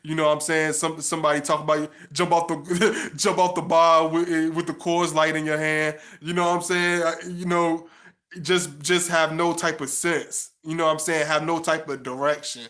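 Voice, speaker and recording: A man's voice: on the high side, level tone, moderate pace, a bit bright. A man, talking to viewers in a rambling way with many restarts and "you know what I'm saying". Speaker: channel host. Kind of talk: casual monologue to viewers.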